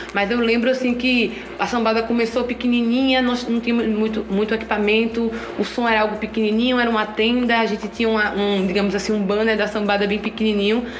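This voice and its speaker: Very fast and hardly pausing, a woman speaks in a fairly high pitch with monotone, flat intonation and very even loudness, amid noticeable background noise and audible room echo. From Olinda, Pernambuco, Brazil. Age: 20s. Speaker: percussionist and singer. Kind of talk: interview conversation.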